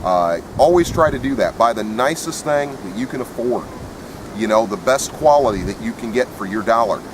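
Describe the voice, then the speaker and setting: A man's voice: medium pitch, expressive, normal speed. A man giving a casual, unscripted product review in a plainspoken, opinionated way, recorded outdoors. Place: outdoors in wind. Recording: windy outdoor recording with clear noise.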